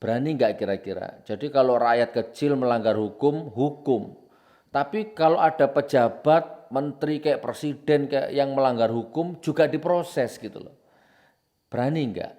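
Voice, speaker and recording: A man preaching with confrontation, hammering out repeated accusations and swinging from low and solemn to loud and heated. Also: moderate pace. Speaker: Islamic preacher. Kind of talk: impassioned preaching commentary.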